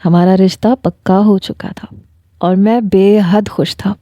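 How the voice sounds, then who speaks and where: A woman with a Pakistani Urdu accent tells a first-person love story in an even storytelling voice. Her tone is deep and mellow, with no brightness. The recording is dry and close, with no room sound. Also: no echo. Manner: reads a first-person romance, voicing a young man and his fiancée in the same voice. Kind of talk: scripted narration.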